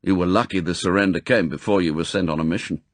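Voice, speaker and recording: A man's voice: sits low, fast talker, dry recording, voice pushed down. A man voicing an urbane British secret agent in an audiobook, with dry, ironic understatement. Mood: probing.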